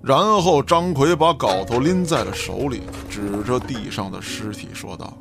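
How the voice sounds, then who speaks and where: A man narrates a scripted radio play. His voice is mid-pitched with very lively intonation, delivered as dramatic storytelling. Music runs faintly underneath. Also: normal speed, creaky.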